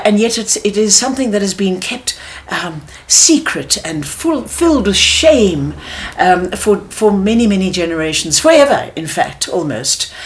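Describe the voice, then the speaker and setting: A middle-aged theatre producer with a South African accent answers an interview question earnestly and passionately, often restarting her sentences. Her voice has a fairly low pitch.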